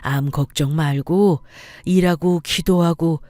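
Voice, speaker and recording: Woman putting on a low, slow ghost dad, soft and regretful, storybook vibe. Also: steady tone, no echo. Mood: earnest. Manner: slow, tender, fatherly. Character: dead old father, gentle, regretful.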